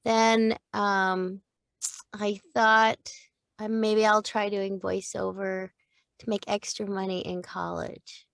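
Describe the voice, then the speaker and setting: A woman's voice: medium pitch, flat delivery, slow, vocal fry, a bit bright, clear, resonant tone, no echo, studio quality. A woman in her fifties, a voice actor, telling long rambling stories in a casual interview, with many restarts and little quoted voices. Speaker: voice actor guest.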